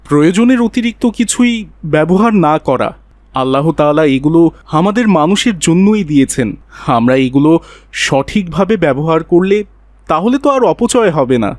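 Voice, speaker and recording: A man acts a patient, devout father in a children's cartoon. His fairly high voice is recorded close and dry, and he soothes and preaches kindly. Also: expressive, moderate pace, no echo, natural voice. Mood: earnest. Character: gentle pious father patiently counselling his young daughter. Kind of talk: children's Islamic cartoon voice acting.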